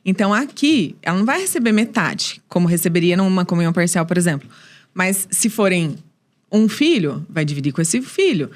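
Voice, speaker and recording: A Brazilian woman, a family lawyer and professor, calmly explaining legal rules and answering questions as an interview guest. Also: on the low side, brisk. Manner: calm, explanatory, brief answers.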